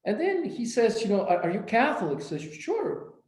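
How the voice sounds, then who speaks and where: A man's voice: sits high, big pitch swings, fairly quick, darkish tone, echoey room, rough recording. A man from Mexico, a clinician giving a recorded presentation, who retells patient dialogue and often restarts and repeats his words.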